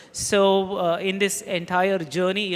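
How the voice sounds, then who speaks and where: A man talks with a Marathi accent. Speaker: translator and professor. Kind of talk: speech at book launch. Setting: auditorium with audience. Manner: halting, many fillers.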